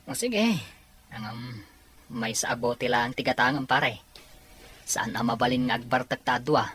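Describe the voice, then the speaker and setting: An actor playing a sensible, concerned drinking buddy in a radio drama, reasoning and cautioning. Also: male voice, mid-range voice, a little slow, fairly bright tone, breathy edge. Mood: reluctant, cautioning.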